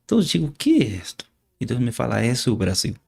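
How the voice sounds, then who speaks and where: A man from Argentina with an Argentine Spanish accent, a native Spanish speaker who talks earnestly and haltingly, repeating words as he preaches in an interview. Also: mid-range voice, huge pitch swings, vocal fry, darkish tone, breathy edge. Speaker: guest preacher.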